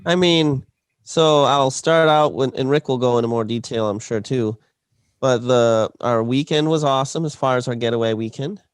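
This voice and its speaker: Male podcast co-host, mid pitch, loose rambling delivery, dry close mic. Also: moderate pace, clean tone, dry recording. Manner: rambling storyteller, many fillers and restarts. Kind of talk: casual chat.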